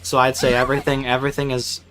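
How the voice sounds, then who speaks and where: A man's voice: mid-range voice, completely flat delivery, fast, fairly bright tone, rough recording. A man chatting casually while livestreaming a video game, playful and rambling, often repeating his phrases. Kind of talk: casual livestream gameplay chat. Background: faint game music.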